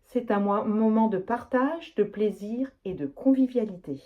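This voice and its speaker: A woman teaching a French lesson, reading questions and answers with clear, deliberate, carefully articulated speech. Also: mid-range voice, highs cut off.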